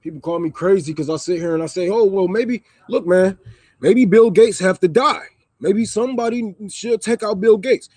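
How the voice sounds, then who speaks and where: A man's voice: high voice, normal speed, warm tone, no echo. A man on a livestream, ranting heatedly and with profanity, repeating lines for emphasis. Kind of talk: livestream rant. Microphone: microphone.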